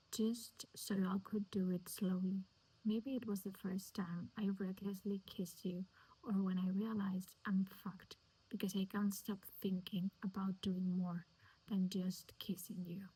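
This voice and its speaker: A woman's voice: warm tone, breathy edge, poor audio. A woman whispering the lines of an intense young man who guards his lover, reading them from a novel. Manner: whispered, low and intimate.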